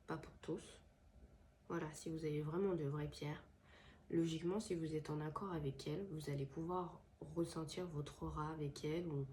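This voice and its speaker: A woman talks to her viewers, her voice stuffy from a head cold. She sits a little low in pitch with a dark, mellow tone. She hesitates often and restarts her sentences, with a faint hum of background noise. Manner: hesitant, many fillers and restarts. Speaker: tarot and crystal channel host. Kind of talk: casual spoken advice to viewers. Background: washing machine running.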